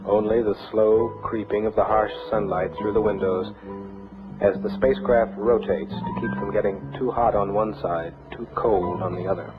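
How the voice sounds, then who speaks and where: Male narrator, poetic scripted documentary, measured and dramatic, narrow band, clear music bed. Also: fairly low pitch, steady tone. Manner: measured, dramatic phrasing in short fragments. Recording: thin band-limited sound under music.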